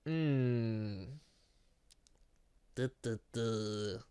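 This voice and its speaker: A game playthrough host reading aloud and commenting in a rambling, excitable, self-interrupting way. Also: mid-range voice, extremely slow, smooth. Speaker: gaming video host.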